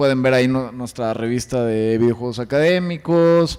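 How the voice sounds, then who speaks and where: Pitch variation in the delivery is ordinary. The words come at a fairly slow pace. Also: man. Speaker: conference speaker. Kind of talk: lecture. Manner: halting.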